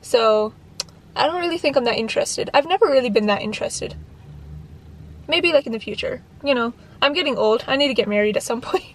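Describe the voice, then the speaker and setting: A young woman in her early twenties with a high voice talks to camera from the driver's seat of a parked car. She rambles easily through viewer questions, dropping plenty of "um"s and "like"s and restarting her sentences. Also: animated, a little fast, a little hiss or hum, poor audio. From Canada. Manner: chatty, many fillers and restarts. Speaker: YouTuber answering viewer questions. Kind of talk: casual Q&A vlog. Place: parked car, indoors of vehicle. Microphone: camera on dashboard, facing her.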